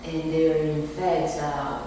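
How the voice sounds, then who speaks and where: A woman from Taiwan in her thirties, answering interview questions in a measured, thoughtful way, with many filler sounds. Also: deep voice, level tone, gravelly, mellow. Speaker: interviewee, artist. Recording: echoey room, mic far off, some noise.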